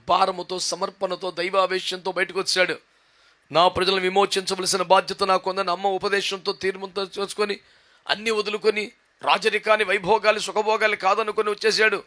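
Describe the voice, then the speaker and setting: Gravelly, high-voiced impassioned pastor. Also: male voice, pushed and bright. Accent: Telugu. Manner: impassioned preaching with rhythmic repeated questions. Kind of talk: sermon.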